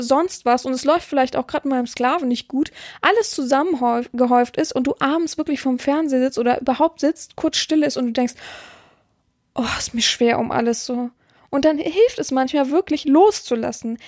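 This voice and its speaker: A woman's voice: high voice, a little mellow, dry recording, clean studio sound. A woman hosting a podcast, talking frankly in a chatty monologue full of fillers and restarts. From German-speaking region. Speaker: podcast host, dominatrix.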